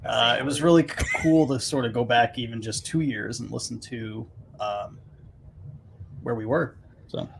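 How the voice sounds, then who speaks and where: A man's voice: mid-range voice, normal speed, gravelly, slight background noise. A man chatting casually as a co-host on a podcast.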